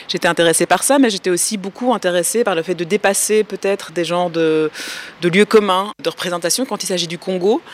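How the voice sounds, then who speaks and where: Thoughtful woman researcher. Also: on the low side. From Belgium. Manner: thoughtful, measured, searching for words. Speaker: guest researcher. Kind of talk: interview answers.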